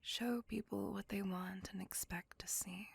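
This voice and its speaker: A woman's voice: mid-range voice, steady tone, measured pace, heavily acted. A woman whispering as a brooding vampire lover. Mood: brooding confessional. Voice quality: breathy, gravelly whisper. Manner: soft confessional whisper throughout. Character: brooding possessive female vampire lover, centuries old. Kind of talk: whispered ASMR roleplay.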